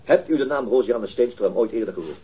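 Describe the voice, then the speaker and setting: An actor playing a stern, methodical police interrogator in a radio crime drama, speaking in a formal, curt, commanding way. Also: male voice, mid-range voice, lively intonation, fairly quick, warm tone, husky. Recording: dull, muffled radio drama recording.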